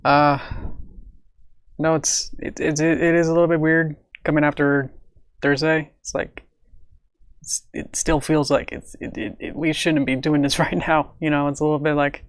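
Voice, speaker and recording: A man live-streaming from home at his computer, talking in a rambling, stop-start way with a raspy voice while coming down with a cold. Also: a little high, little pitch movement, moderate pace, dry recording. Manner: rambling, with many fillers and stammered restarts. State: coming down with a cold, sore throat. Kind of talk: casual live-stream chat.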